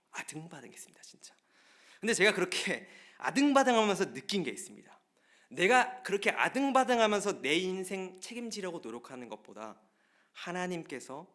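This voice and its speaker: Man, pastor; lively storytelling sermon, talks straight to the pews, swinging intonation. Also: a little high. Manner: lively storytelling, often addresses the congregation directly. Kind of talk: Wednesday service sermon. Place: church sanctuary.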